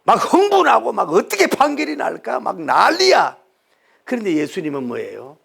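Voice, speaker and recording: A male pastor preaching a sermon emphatically, with many rhetorical questions, swinging from loud to hushed. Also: high-pitched, huge pitch swings, normal speed, creaky, breathy edge.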